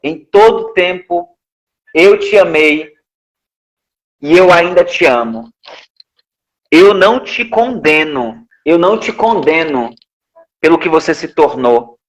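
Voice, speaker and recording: A man with a Brazilian accent voicing God in a testimony, speaking slowly and tenderly with reassurance. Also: a little high, expressive, poor audio. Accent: Brazilian Portuguese.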